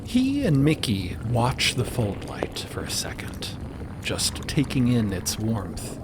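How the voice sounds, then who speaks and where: A man's voice: medium pitch, huge pitch swings, slow, background noise. A man narrating an audio drama in a dramatic scripted storytelling style.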